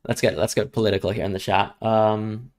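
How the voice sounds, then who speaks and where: A man's voice: lowish voice, steady tone, brisk, a little mellow. A young man from Hong Kong with an international school accent, chatting casually on a live stream and answering viewers' questions, often stumbling over repeated words. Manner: chatty, repeats words when starting sentences.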